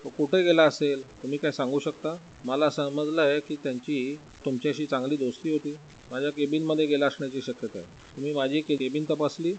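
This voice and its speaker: A man voicing a stern middle-aged male police inspector who gives brisk orders over the phone. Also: fairly high pitch, level tone, a little mellow, slight background noise, natural voice, rough recording. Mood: questioning.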